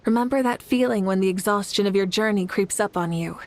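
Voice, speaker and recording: A woman voicing a confident female tribal leader in a video game, steady and encouraging with quiet authority. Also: mid-range voice, fairly quick, a little hiss or hum, lightly acted. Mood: solemn. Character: confident female leader of the tribes, calm and reassuring. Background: faint game music.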